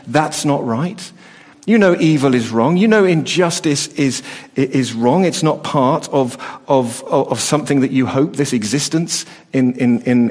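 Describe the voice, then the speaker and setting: A man's voice: mid-range voice, a little mellow, husky. A middle-aged man preaching a sermon, earnest, often restarting and repeating words as he talks. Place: church hall. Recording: long reverb of a hall.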